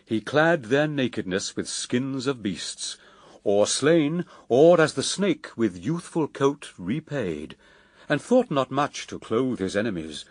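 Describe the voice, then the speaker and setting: An actor reading as the poet, narrating epic verse for radio drama in a solemn, declamatory, measured way. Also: male voice, mid-range voice, no room sound.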